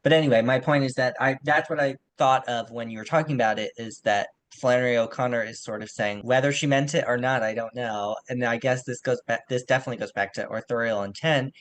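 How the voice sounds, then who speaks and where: A man with a medium-pitched voice speaks as a podcast co-host in a casual literary discussion. He is conversational, qualifying his own points as he goes, and the audio quality is a bit poor. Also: fairly even intonation, fast talker, few pauses.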